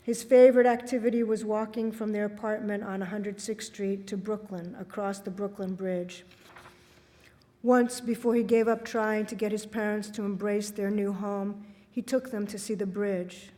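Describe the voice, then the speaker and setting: A woman author giving a public reading of her literary fiction at a library event, with a measured, even storytelling delivery. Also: medium pitch. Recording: long reverb from a hall.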